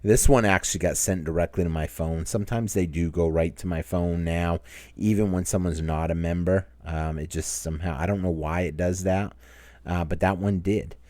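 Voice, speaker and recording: A man's voice: sits low, fairly even intonation, normal speed, darkish tone, no echo. A man with a Maine accent hosts a casual Q&A chat, rambling as he reads viewer comments aloud. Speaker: channel host.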